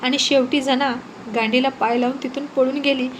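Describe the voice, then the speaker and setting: Woman, storyteller, scripted story narration, expressive and dramatic, high voice. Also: normal speed, a little hiss or hum, rough recording.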